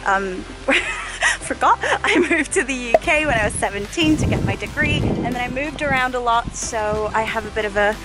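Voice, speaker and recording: A bubbly woman in her twenties, from the Czech Republic, whose accent blends British and North American. She talks in a slightly high, excitable way and laughs often. Music plays clearly behind her narration. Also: normal speed, low-quality recording. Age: 20s. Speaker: travel vlogger. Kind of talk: casual vlog narration. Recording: music playing behind voice-over.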